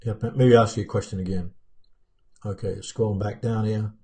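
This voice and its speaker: This YouTube host, a man in his fifties, talks at normal speed in a lowish, dark voice with a steady tone. His New Zealand accent has worn down after years living in America. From an indoor home office decorated with plants and pictures, he responds to live chat on a webcam at his desk, often using fillers and starting over.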